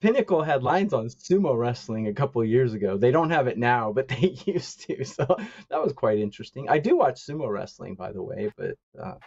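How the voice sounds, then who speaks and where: A man talking casually about Asian baseball betting, halting with many fillers and chuckles. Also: mid-range voice, very animated, vocal fry, a little mellow, slightly rough, dry recording, highs cut off. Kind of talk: casual call-in chat. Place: lives in East Asia.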